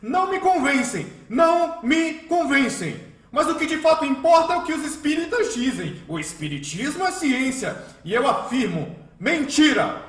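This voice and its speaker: Frenetic high-pitched fanatical priest. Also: male voice, very animated, normal speed, fairly bright tone, heavily acted. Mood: mocking, emphatic. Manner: frenetic, declamatory, mocking, insistent. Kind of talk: radio drama acting, oratorical. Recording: roomy, echoing voice.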